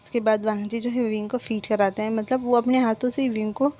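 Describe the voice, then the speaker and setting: A woman's voice: on the high side, little pitch movement, quick pace, warm tone. A woman narrating a fan story in a casual, filler-heavy way. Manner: plain retelling with many fillers.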